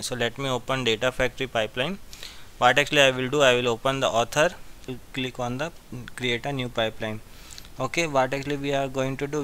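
A man giving a step-by-step software tutorial as an instructor, repeating his phrases as he goes. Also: mid-range voice, a little hiss or hum. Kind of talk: screen-share software tutorial.

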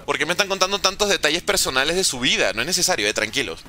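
Guy streaming games from home, lively up and down voice, kinda high, jokes with chat. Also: very fast, soft background music. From Venezuela. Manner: reads chat aloud and jokes with viewers. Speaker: gaming streamer. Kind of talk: casual live-stream chat while playing. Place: at home, room with a window.

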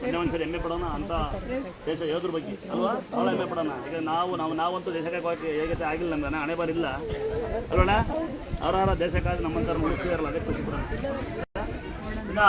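A man with a Kannada accent, a temple priest instructing and blessing devotees at a fast, forceful pace. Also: fairly high pitch. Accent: Kannada, Karnataka. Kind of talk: loud public address to devotees. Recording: loud crowd behind.

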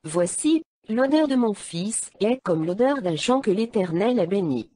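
Woman reading old blind patriarch, solemn, slow, mellow, dry. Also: medium pitch, expressive, husky, no room sound. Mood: grave.

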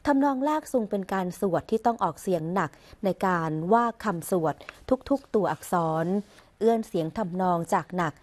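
Royal court news is read by a woman news reader with a medium-pitched voice, in the style of a formal broadcast voice-over. She stays ceremonious, even and measured from start to finish, following the scripted rhythm of an official news bulletin.

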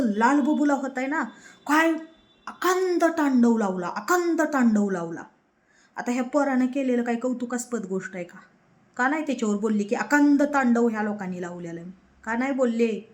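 A woman's voice: medium pitch, a little mellow. A woman delivering a heated political rant to camera, firing rhetorical questions and repeating her points. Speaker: political commentator.

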